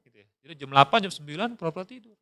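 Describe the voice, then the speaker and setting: A man's voice: on the high side, lively intonation, very fast, bright, forceful tone. A middle-aged man, preaching a casual, slangy youth sermon and acting out quoted voices. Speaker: youth pastor.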